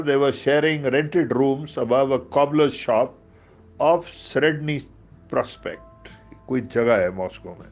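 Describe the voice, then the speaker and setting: A man's voice: mid-range voice, vocal fry. A man with a South Asian accent reads a book aloud as a storyteller, theatrical in delivery, with conversational asides. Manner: theatrical, hesitant in asides, switches between English and Urdu. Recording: dull lo-fi audio with background music. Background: music.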